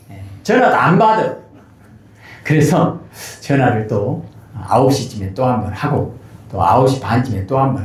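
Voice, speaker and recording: A man's voice: mid-range voice, a little mellow. A middle-aged man preaching as a pastor, telling a story candidly and breaking into emphatic outbursts. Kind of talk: sermon. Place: church sanctuary. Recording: echoey church hall.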